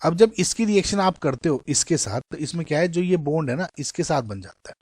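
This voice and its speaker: This chemistry teacher, a man with an Indian accent, walks viewers through exam questions conversationally, mixing in English terms and calling them "guys." His voice is on the high side, a little mellow with a breathy edge, and lively in intonation at a slightly quick pace. The recording is studio quality with no room sound.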